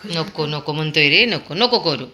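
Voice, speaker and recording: A woman's voice: low voice, expressive, normal speed, sharp tone. A woman chatting at home, fondly scolding a small child and coaxing a pet dog. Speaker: dog owner filming at home. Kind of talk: casual home video chat. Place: home indoors with a fan. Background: fan noise and a dog.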